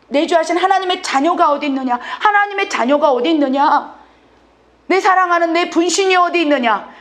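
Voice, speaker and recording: A woman preacher voicing God as a grieving father who cries out, pleading, for his lost son. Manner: wailing, pleading, high and loud.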